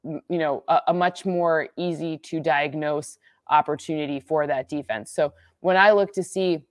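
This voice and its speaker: Low-voiced woman breaking down football stats. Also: fairly even intonation, no room sound, studio quality. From Midwest US. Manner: quick, restarts sentences, laughs at own jokes. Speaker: NFL analytics analyst. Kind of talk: casual sports analysis chat.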